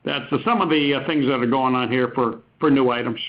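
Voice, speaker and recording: A man answering as a company executive on an earnings call, speaking off the cuff and often pausing mid-sentence. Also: medium pitch. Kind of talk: unscripted business answers. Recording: dull, lo-fi conference call audio.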